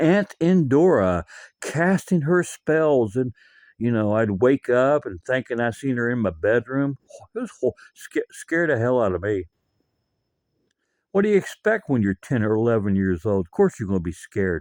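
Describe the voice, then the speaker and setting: Medium-pitched male voice, very wide pitch swings, moderate pace, dry close sound with no echo. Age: 60s. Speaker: vlogger. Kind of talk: casual monologue vlog. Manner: halting.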